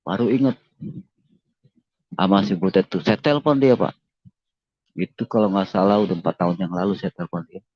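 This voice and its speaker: A man's voice: deep voice, moderate pace, pauses often, no room sound. A man giving an emotional personal testimony in an interview, earnest, repeating himself and politely addressing his listener as sir. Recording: dull lo-fi dry recording.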